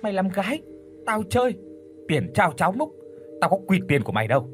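A man voicing a crude, contemptuous male client with a deep, gravelly voice in an audiobook. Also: big pitch swings, a little fast, soft background music. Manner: contemptuous, coarse. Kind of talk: audiobook character voice.

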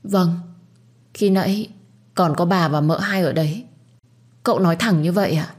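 A woman's voice: fairly low pitch, normal speed, darkish tone, slightly rough. A woman voicing a timid, polite young servant girl in an audio story.

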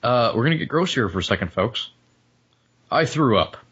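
A male podcast co-host, hoarse and losing his voice after the flu, chatting casually and joking with frequent laughs. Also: medium pitch, big pitch swings, moderate pace, a bit bright, highs cut off. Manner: joking, rambling, laughs often. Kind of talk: casual comedic chat.

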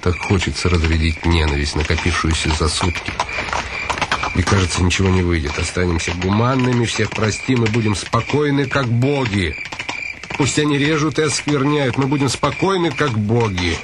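A man's voice: on the low side, moderate pace, very noisy, natural voice. An actor playing a haughty, ironic nobleman in a radio drama, with a pompous, mocking delivery. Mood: brooding. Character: haughty nobleman on horseback, ironic, restless for a fight.

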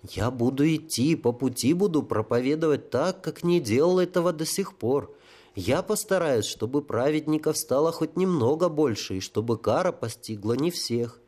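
A man's voice: fairly high pitch, expressive, moderate pace, a little mellow, voice pushed up. A man voicing a tearful, simple-minded holy fool who talks about himself like a child. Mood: eager. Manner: childlike pleading, stuttering.

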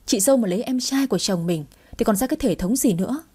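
A woman's voice: fairly high pitch, expressive, fast talker, dark tone, breathy edge. A woman voicing a grieving, stubborn old village mother who pleads tearfully. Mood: plaintive.

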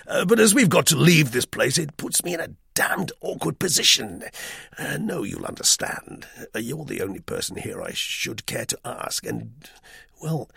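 A man's voice: mid-range voice, gravelly, bright, forceful tone, breathy edge, dry recording, clean studio sound, pitched above the performer's own voice, full character voice. A man doing a blustering, awkward army major. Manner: blustering, hearty, awkward with forced cheer. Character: embarrassed bluff English army major, middle-aged. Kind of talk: audiobook character voice.

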